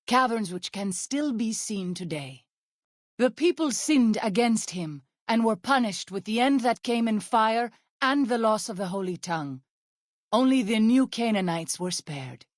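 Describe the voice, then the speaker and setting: An earnest tribal midwife for a video game. She speaks at a medium pitch in formal, measured sentences with solemn reverence. The sound is close and dry, with no room around it. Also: dry recording. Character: devout, earnest tribal midwife and healer woman, a mother. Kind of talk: video game character dialogue.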